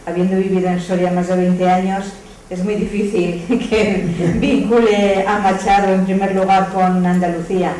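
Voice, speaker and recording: A woman's voice: mid-range voice, flat delivery, normal speed, dark tone. Female audience member with a Spanish accent, thoughtful and explanatory, heard from afar in a reverberant room. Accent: Spanish (Spain). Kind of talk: spontaneous discussion at a literary talk. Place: echoey indoor hall at a public talk. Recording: distant, very echoey room, faint noise.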